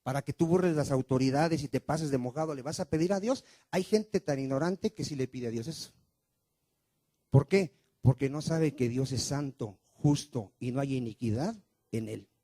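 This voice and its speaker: A man's voice: medium pitch, normal speed, mellow, no echo. A man preaching a sermon as pastor of a church, firing rhetorical questions at the congregation and calling for responses.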